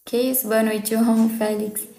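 A woman's voice: fairly high pitch, level tone, normal speed, gravelly, dark tone, reverberant, slight background noise, rough recording. A young adult woman with a Brazilian accent chatting casually and playfully on a livestream. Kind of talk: casual live-stream chat. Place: small indoor room at home.

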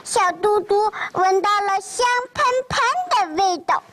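A performer voicing a childlike, excitable, playful purple creature on a children's show, talking in simple exaggerated phrases as if reading to a toddler. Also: very high voice, measured pace, slight background noise. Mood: eager, coaxing. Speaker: children's show character host. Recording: loud music behind.

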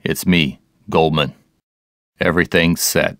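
An actor playing a grave, megalomaniac corporate villain in a video game, with stilted, deliberate, ominous delivery. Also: male voice, a bass voice, fairly even intonation, fairly bright tone, no echo, clean studio sound. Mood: calm menace.

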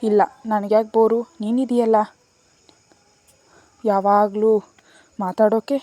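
A woman voicing a young male lover who teases and turns angry quickly in a romance story. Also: medium pitch, little pitch movement, warm tone, lightly acted. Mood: teasing. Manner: teasing, scolding.

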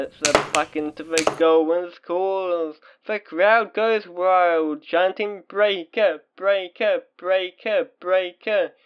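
A man playing an affectionate, playful young boyfriend on a date in an ASMR-style audio roleplay, doting and easily excited. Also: a little high, smooth, lo-fi sound. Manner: doting, pet names, mock sports commentary.

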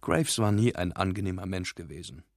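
A man reading an audiobook in a measured, dramatic scripted narration, recorded in a studio. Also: low-pitched, dry recording.

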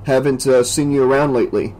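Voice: mid-range voice, fairly even intonation, fast, darkish tone, lightly acted, poor audio. A reader doing an easygoing, doubtful teen boy.

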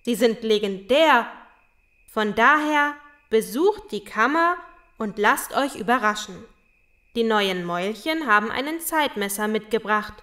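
A woman's voice: fairly high pitch, lively intonation, unhurried, bright, forceful tone. A woman playing an officious, friendly town crier creature, proclaiming ceremoniously in a children's audio drama.

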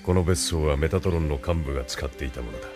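An actor playing a cunning military leader who speaks in a calm, commanding, musing way in a radio drama. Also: male voice, rumbling low, fast, music in the background. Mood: measured. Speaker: leader of the secret police.

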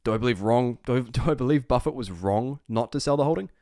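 Speaking fast in a mellow, mid-range voice, this man delivers improvised stock commentary for his investing videos. He's emphatic, circling back to repeated phrases and tossing out rhetorical questions, all in a dry, studio-quality recording.

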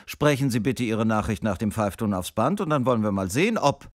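A man's voice: on the low side, lively intonation, fairly quick, no echo, natural voice. Comic phone-message official, male actor: officious, evasive, hesitant and repetitive, dry close recording. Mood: indignant. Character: fussy, evasive male German official taking calls. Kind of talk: comic answering machine sketch.

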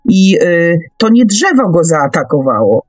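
A woman hosting an unscripted radio discussion, giving her views in a halting but emphatic way. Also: lowish voice, big pitch swings, a little mellow, dry recording, faint music behind. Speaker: radio host. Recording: dull, lo-fi radio call audio.

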